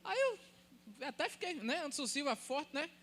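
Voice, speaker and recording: A man preaches with a light, thin voice. His pitch swings widely as he poses questions to the congregation and answers them himself. He trades jokes with the congregation as he goes. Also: big pitch swings, moderate pace, a bit bright. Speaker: pastor. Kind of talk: sermon.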